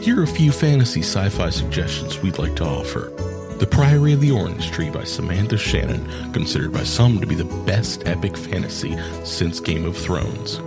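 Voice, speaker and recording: A man's voice: low voice, animated, moderate pace, creaky. A man reading a scripted podcast advertisement. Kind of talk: scripted ad read. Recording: very loud music under the voice. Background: music.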